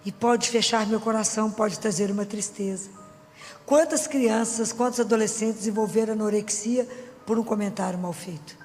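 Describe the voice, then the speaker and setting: A woman's voice: medium pitch, moderate pace, a little mellow. A middle-aged woman with a Minas Gerais accent preaching a conversational sermon and keeping the audience engaged with frequent questions. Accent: Minas Gerais Brazilian Portuguese. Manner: chatty, keeps asking the audience for agreement. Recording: long hall reverb with faint music.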